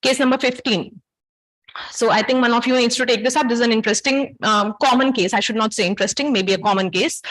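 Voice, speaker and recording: A woman's voice: a little high, fast talker, a bit bright, poor audio. A woman with a South Asian accent giving an interactive academic lecture as a medical teacher, in a didactic manner that puts questions to her listeners.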